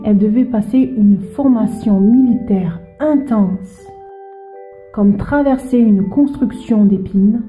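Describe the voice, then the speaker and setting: A woman presenting a history explainer, lively and speaking directly to the viewer. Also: medium pitch, roomy sound, narrow, tinny audio.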